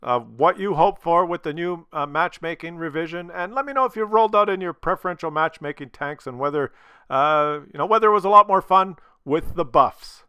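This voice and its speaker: A man's voice: fairly high pitch, brisk, pushed and bright, clear, resonant tone, no room sound, studio quality. A man talking casually to his viewers, blunt and opinionated, swearing freely, while losing his voice from a cold. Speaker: gaming video creator.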